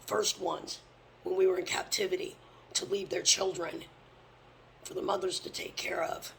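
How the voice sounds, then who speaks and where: A fervent religious teacher preaching from scripture, blunt and sometimes swearing, often dropping into a hushed whisper. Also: mid-range voice, flat delivery, normal speed, gravelly, a little hiss or hum, poor audio.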